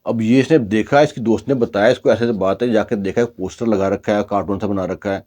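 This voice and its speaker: A man's voice: on the low side, a little mellow. A man telling a family story in a chatty, colloquial way, with many fillers, voicing the people in it as he goes. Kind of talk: casual spoken storytelling.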